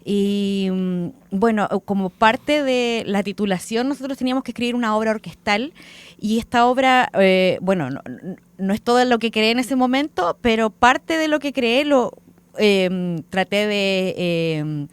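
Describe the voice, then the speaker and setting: A Chilean woman composer speaks at a middle pitch, hesitating often and filling her pauses. The sound is very dry and close, as if right at a studio microphone. She feels her way through each answer. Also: smooth, no echo. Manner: hesitant, many fillers. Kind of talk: radio interview answers.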